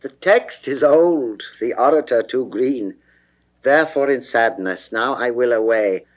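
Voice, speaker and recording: Man acting a proud, indignant young man, slow declamation. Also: medium pitch, expressive, natural voice. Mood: resolute. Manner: emphatic, declamatory, measured. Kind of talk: classical dramatic verse reading.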